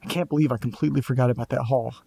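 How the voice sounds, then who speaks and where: A man plays a restless young man in an audio drama who talks in wry asides while he pieces a mystery together. His voice sits at an ordinary middle pitch, and it is recorded dry and close with no room sound. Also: fairly even intonation, gravelly, warm tone, slightly rough, no echo. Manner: sardonic, restless, quick to jump to conclusions. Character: Nate, anxious young man chasing a mystery.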